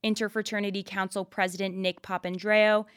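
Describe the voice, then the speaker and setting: A woman's voice: mid-range voice, little pitch movement, a little fast, smooth, dry recording, studio quality. A young woman narrating a scripted news report as a student radio reporter. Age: young adult.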